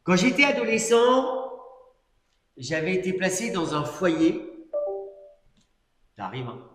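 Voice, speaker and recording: A man's voice: high voice, very animated, takes it slowly, fairly bright tone. A middle-aged man giving a sermon as a personal testimony, telling his story conversationally with asides and fillers. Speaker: preacher. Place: church hall. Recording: echoey church hall recording.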